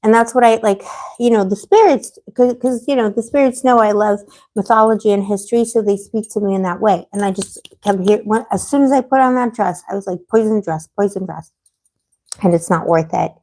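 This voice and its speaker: A woman hosting a tarot livestream in casual, rambling chat, full of fillers and restarts, gossipy and quick to laugh, with a voice that has been fading. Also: medium pitch, dark tone. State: losing her voice. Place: living on a Mediterranean island.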